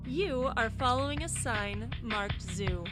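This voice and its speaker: Cryptic announcer over loud music. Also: female voice, a little high, lively intonation, slow. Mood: eerie, cryptic. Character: cryptic female announcer of an eerie mystery tale. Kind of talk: scripted audio drama introduction.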